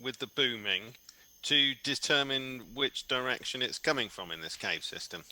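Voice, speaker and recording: Man, wry dry wit, wordy, bright sharp tone. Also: mid-range voice, lively intonation, normal speed, low-quality recording. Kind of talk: in-character table talk.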